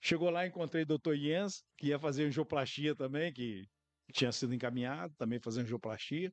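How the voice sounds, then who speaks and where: An ordinary speaking voice at a moderate pace with ordinary pitch variation, in a dry, close sound with no echo over a quiet background. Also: man, fairly high pitch for a man. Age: 60s. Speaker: cardiologist. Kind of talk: casual interview. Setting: live-streamed podcast studio.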